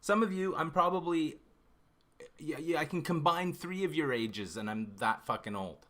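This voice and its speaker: A man's voice: on the high side, normal speed, sharp tone. A fifty-year-old man from Canada chatting casually with his stream viewers, rambling, cutting himself off and swearing constantly. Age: 50s. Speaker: livestream host.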